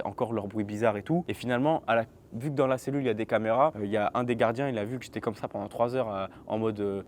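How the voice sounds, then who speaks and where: A man in his twenties tells a story from his own life in a casual vlog. He talks very fast and keeps turning to address his viewers directly. His pitch sits in the middle range. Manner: animated, talks straight to viewers. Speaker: vlogger.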